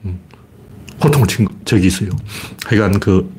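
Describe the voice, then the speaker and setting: A man's voice: fairly low pitch, expressive, measured pace, a little hiss or hum. A middle-aged man hosting a solo political commentary livestream, talking bluntly and colloquially and answering his own rhetorical questions. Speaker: livestream host.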